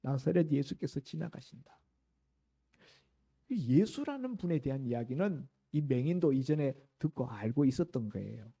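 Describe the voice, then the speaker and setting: Animated Korean pastor preaching with a dark voice. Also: male voice, medium pitch, brisk, few pauses, breathy edge. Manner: animated storytelling preaching, voicing the scripture's cries. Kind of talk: sermon.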